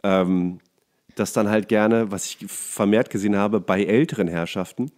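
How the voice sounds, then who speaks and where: A man's voice: fairly low pitch, normal speed, darkish tone. A man co-hosting a podcast, ranting in casual comedic chat and acting out imagined exchanges. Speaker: podcast co-host.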